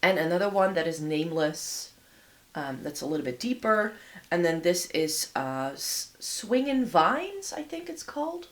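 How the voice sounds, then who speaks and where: A woman with a slightly low voice and a light rasp from a cold talks in a friendly, rambling way. She thinks aloud with small pauses and fillers. She speaks from a home office. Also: sing-song. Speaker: beauty vlogger hosting a giveaway. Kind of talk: casual chatty product showcase.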